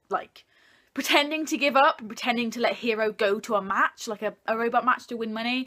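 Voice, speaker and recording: Speaking with a fairly high pitch and a sharp tone, a young woman counts down a list for her viewers in an informal, chatty review to camera. She comes across like a video blogger, jokey and full of opinions.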